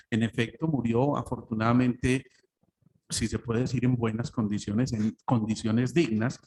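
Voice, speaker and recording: Paisa-accented man lecturing in a reverberant hall. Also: medium pitch. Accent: Paisa (Antioquian) Spanish. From Colombia. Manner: storytelling with frequent "¿cierto?" asides. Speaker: doctor giving a lecture. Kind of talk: spiritual lecture with storytelling. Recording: long hall reverb, faint background noise.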